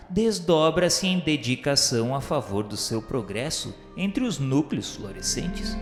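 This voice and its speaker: Brazilian male narrator for a solemn radio drama, mid-pitched and unhurried, formal delivery in a reverberant space. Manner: formal, declamatory, measured. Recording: echoey long reverb with background music. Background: instrumental music.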